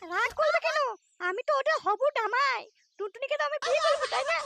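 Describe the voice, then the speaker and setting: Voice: extremely high pitch, expressive, quick pace, vocal fry, bright, forceful tone, a little hiss or hum, exaggerated voice. An actor voicing a cheeky, boastful, foul-mouthed little boy with childish lisping pronunciation in a comedy cartoon. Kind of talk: comic cartoon dialogue.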